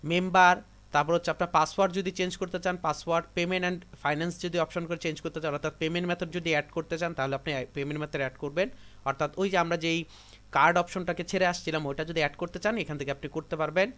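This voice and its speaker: In a live classroom tutorial, a Bangladeshi man teaches a computer class, repeating step-by-step instructions for his students. His voice is on the high side, a bit bright and steady in tone, and he talks fast.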